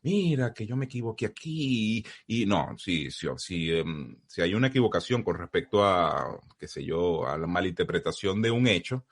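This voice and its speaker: Deep zulian venezuelan guy, earnest, chatting on a video call. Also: lively intonation, moderate pace, hardly any pauses. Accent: Zulian Venezuelan Spanish. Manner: earnest, storytelling, uses vos forms. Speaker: podcast guest. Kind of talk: casual interview conversation.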